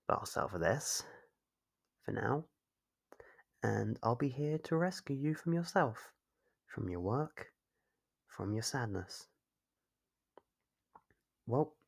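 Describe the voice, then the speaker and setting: A man playing a calmly controlling, doting yandere kidnapper in an ASMR roleplay, speaking in a measured, formal, fussily caring way. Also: fairly low pitch, vocal fry, exaggerated voice. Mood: tender, possessive. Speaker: voice actor.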